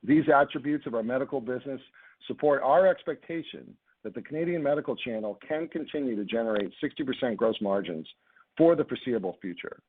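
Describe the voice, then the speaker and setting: A man's voice: mid-range voice, lively intonation, a little fast, narrow, tinny audio, a little hiss or hum. A man delivering scripted remarks on an earnings call as a company executive, formal and businesslike. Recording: thin phone conference line.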